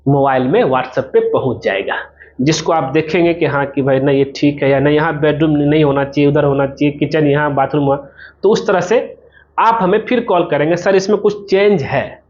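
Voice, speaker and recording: A man's voice: high voice, lo-fi sound. A man giving an informal promotional explainer as a civil engineer, talking the viewer through his service step by step and directly.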